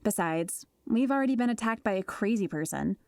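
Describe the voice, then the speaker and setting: A woman's voice: mid-range voice, expressive, a little fast, darkish tone, no echo, clean studio sound, close to an everyday voice. A woman acting in an audio drama as a friendly, sheltered young gamer with a casual, wry manner. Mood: casual, reassuring. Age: young adult.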